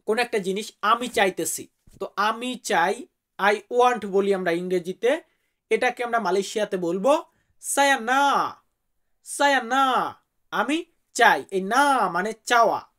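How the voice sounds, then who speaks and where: Woman, channel-host teacher, unhurried vocabulary drill, careful repetition. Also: fairly high pitch, a bit bright. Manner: repeats each word slowly and deliberately. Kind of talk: vocabulary lesson for viewers.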